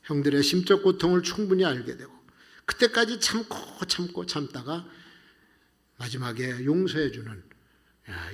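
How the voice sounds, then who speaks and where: Male pastor preaching, animated storyteller, kinda high voice, goes loud then hushed. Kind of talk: sermon.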